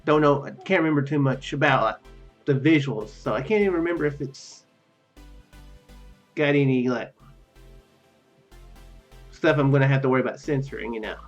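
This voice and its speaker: A man doing casual game commentary and reading visual novel text aloud, rambling, halting and often correcting himself. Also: mid-range voice. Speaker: let's play video host. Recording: muffled lo-fi mic, music behind. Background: game music.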